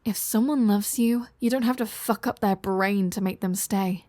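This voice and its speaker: A woman's voice: mid-range voice, mellow, dry recording, natural voice. A woman playing a flirty, sardonic female vampire in an intimate roleplay audio drama, teasing and casual. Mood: defensive, frank. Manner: teasing, casual, sardonic, with sighs and drawn-out phrasing.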